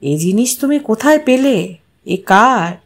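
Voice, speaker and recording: A woman's voice: fairly high pitch, expressive, slow, exaggerated voice. A woman voicing a wry, bantering, easygoing young husband in an audio story. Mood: puzzled.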